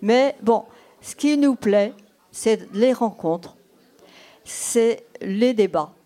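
A Breton-speaking woman in her eighties from Brittany answers interview questions as a documentary filmmaker, telling her stories without hurry and thinking aloud. Her fairly high voice is expressive and dark-toned, with drawn-out words.

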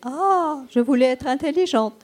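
A woman's voice: high-pitched, moderate pace, a little mellow. A woman in her eighties from Brittany, whose first language is Breton, answering interview questions as a documentary filmmaker and telling her stories unhurriedly while she thinks aloud. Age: 80s.

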